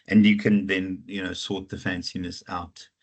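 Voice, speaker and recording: A university lecturer with a South African Afrikaans accent advises students on their research proposals in an informal online consultation, teasing them and thinking aloud as he goes. His voice sits low with little pitch movement and a moderate pace, and the audio sounds dull.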